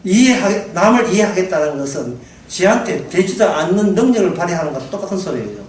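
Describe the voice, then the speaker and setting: A man preaching a sermon as pastor, lively, often laughing and asking his listeners questions. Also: high-pitched, fast, recorded from a distance. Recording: very echoey hall, mic from afar, faint noise.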